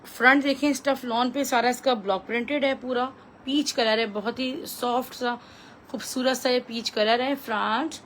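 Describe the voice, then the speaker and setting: A woman with a Pakistani accent giving a chatty, repetitive live sales pitch as a clothing seller, mixing in English phrases. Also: steady tone, normal speed, a bit bright, a little hiss or hum.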